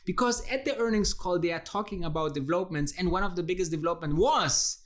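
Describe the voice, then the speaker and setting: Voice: medium pitch, fast. A host with gives enthusiastic, conversational stock investing commentary, addressing viewers directly and emphatically.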